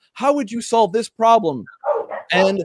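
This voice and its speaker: Loud and very fast, a man speaks with ordinary pitch variation in a dry, close sound with no echo. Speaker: men's dating advice commentator. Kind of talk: casual podcast discussion. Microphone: good mic, per listener compliments.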